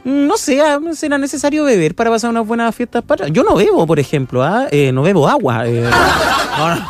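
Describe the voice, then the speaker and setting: A man's voice: extremely high pitch, very animated, fairly quick. A Chilean man hosting a radio show, chatting casually with callers, joking and laughing. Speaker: radio host. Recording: loud music bed behind.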